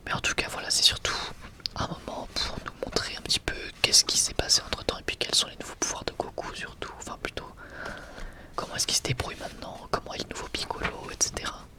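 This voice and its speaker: An ASMR creator speaking casually in a breathy whisper, rambling and correcting themselves like a fan sharing a collection. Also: quick pace. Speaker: ASMR video creator presenting a manga collection.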